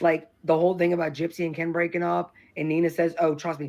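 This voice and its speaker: A woman with a fairly low pitch speaks in an animated tone. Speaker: livestreamer discussing celebrity gossip. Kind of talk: casual live stream monologue. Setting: live stream.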